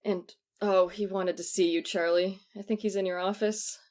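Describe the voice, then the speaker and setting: A woman's voice: medium pitch, fairly even intonation, normal speed, darkish tone, close to an everyday voice. A woman acting in an audio drama as a wary office worker, speaking in a subdued, confiding way.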